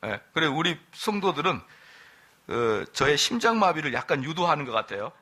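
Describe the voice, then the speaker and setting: Bright, animated male pastor preaching. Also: on the high side. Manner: lively preaching, quizzes the congregation, quick asides. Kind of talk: sermon. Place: church at an evening service.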